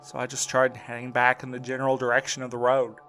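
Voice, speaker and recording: A man's voice: medium pitch, monotone, quick pace, fairly bright tone, soft background music, lightly acted. A man acting as a tired young mail carrier in an audio drama. He sounds battered and weary, with a dry, wry edge. His delivery stays natural and conversational. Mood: recounting, uneasy.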